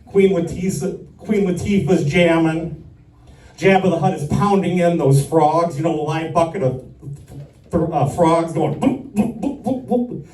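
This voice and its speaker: A man's stand-up set, recorded with a distant mic in an echoey room before a live audience, is full of rambling, sardonic gripes. His voice is a little high and a little mellow.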